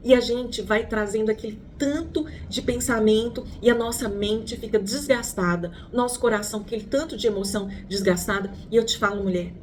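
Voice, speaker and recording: A woman's voice: fairly high pitch, a little mellow, slight background noise. A woman psychologist with a Brazilian Portuguese accent, teaching an online lesson conversationally, calling the listener her friend and asking rhetorical questions.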